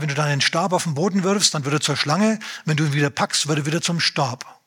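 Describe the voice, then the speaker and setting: A man preaching a lively sermon, retelling scripture in a conversational way and acting out the dialogue. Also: fairly high pitch, husky. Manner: animated, acts out dialogue in a conversational tone.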